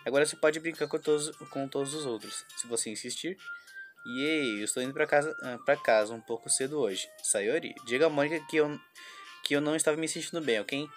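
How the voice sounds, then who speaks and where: A man reading a visual novel aloud, voicing a despairing young schoolgirl, halting and restarting words. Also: fairly high pitch, faint music behind, lightly acted. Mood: forced cheer. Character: despairing young schoolgirl, anxious and self-blaming.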